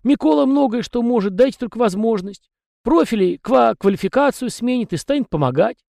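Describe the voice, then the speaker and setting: A man's voice: very high voice, animated, a little fast, gravelly, dark tone, no echo, studio quality, voice pushed up, exaggerated voice. A man voicing a small, talkative male house spirit with rustic, folksy peasant speech. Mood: chatty folksy.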